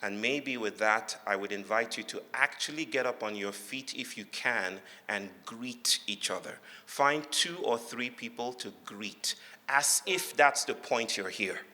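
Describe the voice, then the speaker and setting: A guest speaker from Lagos, Nigeria, with a Nigerian accent, gives a public lecture in a large hall before an audience, telling humorous stories in a reflective, playful way with measured phrases and dramatic pauses. His medium-pitched voice sounds pushed and bright. The hall is echoey, with long reverb.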